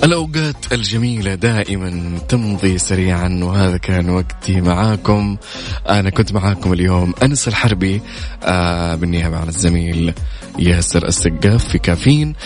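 Over clear background music, a Saudi man presents a casual morning radio show. His voice is on the low side, and he talks in a chatty way with the odd English phrase mixed in. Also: a little fast, darkish tone. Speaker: radio host. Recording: music behind the voice.

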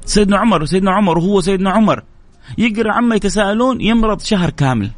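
A man's voice: high voice, lively intonation, fast, no room sound. A man preaching an emotional sermon, pleading and repeating phrases with stammered restarts.

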